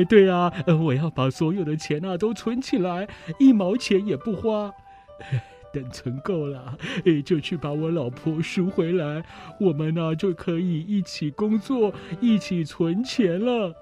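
A good-hearted older runaway , voiced by a man, talks in a high, eager voice, breaking into laughter. The storybook reading has soft music underneath. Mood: hopeful. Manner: laughing often, drawn-out and eager.

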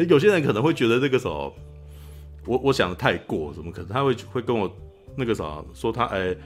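A podcast host with a Taiwanese Mandarin accent talks fast in a lowish voice over faint background music. He retells a film scene animatedly in casual chat, laughing often and tagging his lines with "you know?".

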